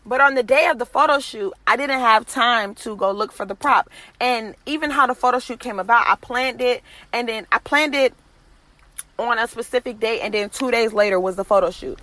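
Casting: female faith podcast host, higher-pitched bright voice, urging listeners on with emphatic repeated phrases. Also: no echo. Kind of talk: motivational faith talk to listeners.

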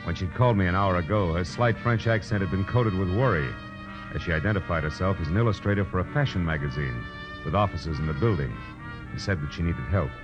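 A man's voice: sits low, fast, lightly acted. A man with an American accent playing a world-weary, terse, slangy private detective in 1940s radio noir style. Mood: wry, reflective. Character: hard-boiled male private detective narrating his case. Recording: dull vintage radio recording with music.

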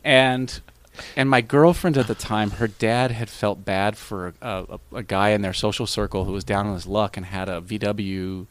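A man's voice: on the low side, normal speed. A man telling a long anecdote in casual conversation, with many restarts. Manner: animated, rambling with restarts. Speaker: guest. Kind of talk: casual storytelling.

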